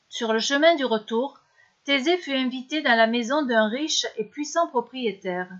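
A woman narrating a serialized story in a steady, measured way. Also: fairly high pitch, dull audio.

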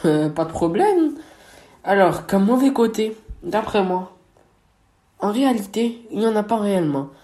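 Warm and expressive, this co-host of a word-themed radio show speaks in a high-sitting voice at a moderate pace. He reads through scripted chat and ribs his on-air partner with playful teasing.

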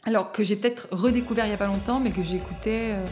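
A woman nearing forty talks as a DJ guest in a relaxed radio chat. Her pitch sits in the middle of the range for a woman, and she hesitates often, filling pauses and laughing easily. Faint music plays behind her. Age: 30s.

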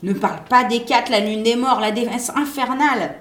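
A woman's voice: fairly high pitch, normal speed, fairly bright tone, roomy sound, lightly acted. A woman voicing a fearful, superstitious older nurse who talks in a fussy, scolding way. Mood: frightened.

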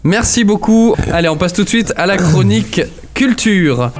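Male local radio host, slightly high pitch, friendly prompting. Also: animated, normal speed, over music. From France. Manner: friendly, short prompts and questions. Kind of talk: hosting a local radio show.

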